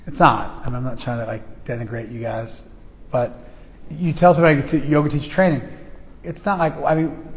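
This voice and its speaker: A man's voice: mid-range voice, fairly even intonation, fairly quick. A man teaching a class in a loose, conversational way, with joking asides and plenty of fillers. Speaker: spiritual teacher. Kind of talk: informal class lecture. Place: class venue with reverb. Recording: long hall reverb.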